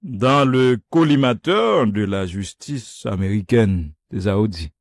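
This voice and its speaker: Lively-voiced male news commentator. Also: lowish voice, slow pace, no echo.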